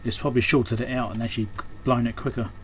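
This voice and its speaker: A man's voice: medium pitch, flat delivery, fast talker. Man thinking aloud, noisy background. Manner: unscripted, thinking aloud, trailing off mid-thought. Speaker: electronics repairer and video host. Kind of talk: casual hands-on repair commentary. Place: indoors at a repair workbench. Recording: clear background noise, room ambience.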